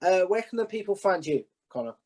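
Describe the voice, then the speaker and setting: A man's voice: sits high, very animated, brisk, a little mellow, breathy edge. A man hosting a casual interview in an informal, conversational way. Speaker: interview host.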